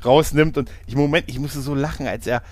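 A man's voice: medium pitch, steady tone, a little fast, no echo. Male podcast host: loose, rambling retelling of a film, keeps checking in with his co-host. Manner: rambling retelling, frequent tag questions and laughs. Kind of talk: casual film discussion.

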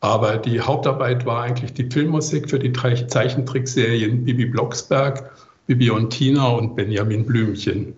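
A man's voice: medium pitch, steady tone, moderate pace, a little mellow, echoey room, dull audio. A middle-aged or older man, telling his own story as an interview guest. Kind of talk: conversational autobiographical interview answers.

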